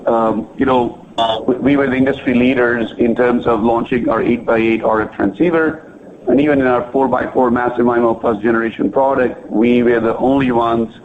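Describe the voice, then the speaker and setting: Confident male executive on a conference call, mid pitch, clearly noisy telephone audio. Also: fairly even intonation, moderate pace. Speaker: company executive on earnings call. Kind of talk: answering analyst questions on a conference call. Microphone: telephone conference line. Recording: noisy, band-limited phone line.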